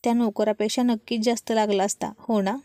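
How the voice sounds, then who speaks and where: A playful young wife with a mellow, fairly high voice, teasing her husband, as a woman reads her. It is recorded dry and close for a storybook. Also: level tone, fairly quick, no echo, close to an everyday voice.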